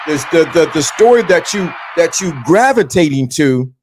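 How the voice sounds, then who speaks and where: A man's voice: a little high, lively intonation, normal speed, background noise. Man, 50s, stream host, motivational talk, repetitive, preachy. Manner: repetitive, preachy, addresses viewers directly. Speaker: livestream host.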